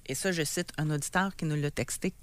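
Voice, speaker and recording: A woman's voice: low voice, steady tone, fairly quick. A woman with a Quebec French accent hosting a radio talk show, chatting, thanking callers and introducing the next one. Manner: conversational, thanks callers and links segments.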